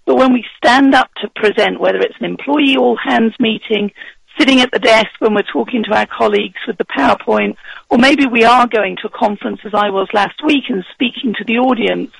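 Husky high-pitched man with gravelly fry. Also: brisk, fairly bright tone, dry recording, low-quality recording. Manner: confident, instructive. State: husky voice from heavy speaking. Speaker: guest, presentation coach. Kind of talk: advice in a radio interview.

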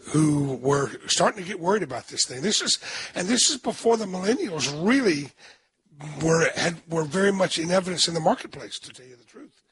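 An older man with a hoarse voice, hosting a radio talk show in a chatty, rambling way. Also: fairly high pitch, very animated, a little fast, crowd noise, rough recording.

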